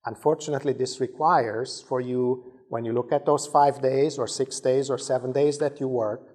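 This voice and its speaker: A man's voice: mid-range voice, steady tone, normal speed, a little mellow. A man giving a conversational leadership talk to a Christian audience, often stumbling over and repeating words. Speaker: conference speaker.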